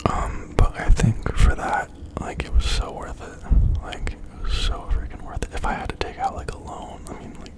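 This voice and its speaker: Breathy, fully whispered ASMR rambler. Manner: informal, halting, confiding, with frequent tag questions. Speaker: ASMR creator.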